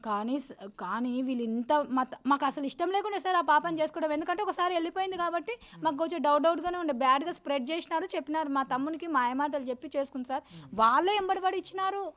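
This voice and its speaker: A woman's voice: sits high, a bit bright. A woman, giving an urgent news interview as the victim's elder sister. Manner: agitated, rapid and insistent; urgent, grieving recounting.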